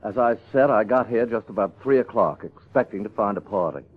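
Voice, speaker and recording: A man's voice: lowish voice, fairly quick, natural voice. A man playing a slick, defensive theatrical agent in a 1950s-style detective radio play, eager and protesting. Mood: eager, anxious. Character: glib, defensive male Broadway theatrical agent, catty. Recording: dull lo-fi radio drama, faint music.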